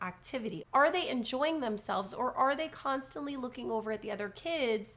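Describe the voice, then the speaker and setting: A woman speaks in a high pitch with lively intonation over noticeable background noise. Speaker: parenting vlogger. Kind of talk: tutorial. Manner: conversational, direct to viewer.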